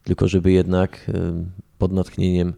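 A man with a deep, gravelly, dark voice leads the conversation about faith. He speaks haltingly, with fillers and a checking tag question. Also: monotone. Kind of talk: casual religious discussion.

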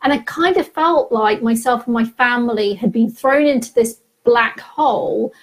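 A woman's voice: fairly high pitch, normal speed. A woman in her forties speaking articulately and steadily as a guest in an interview over a video call. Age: 40s. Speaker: guest, patient advocate. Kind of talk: interview answer.

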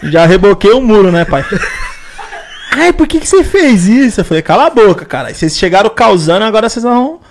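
A man's voice: sits high, big pitch swings, a little fast, a little hiss or hum. A man joking around in a boisterous, slangy way. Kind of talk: casual storytelling chat.

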